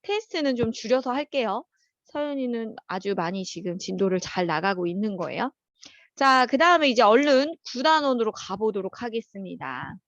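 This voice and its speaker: Lively high-voiced woman teaching vocabulary. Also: no room sound, muffled recording. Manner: calls on students by name, explains words in Korean with English examples; drawn-out, careful English model sentences. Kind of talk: online vocabulary class with students.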